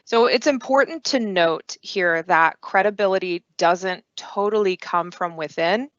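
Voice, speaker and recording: A woman in her thirties giving a conference talk online, with steady, clearly paced delivery. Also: medium pitch, unhurried, dry recording. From United States. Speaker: conference speaker. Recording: dull lo-fi dry sound.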